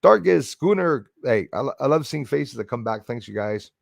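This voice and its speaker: A man's voice: mid-range voice, lively intonation, moderate pace, creaky, no echo, studio quality. A man hosting a livestream, talking in a rambling, chummy, conversational way to his viewers. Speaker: livestream host greeting viewers in chat. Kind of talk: casual livestream chat.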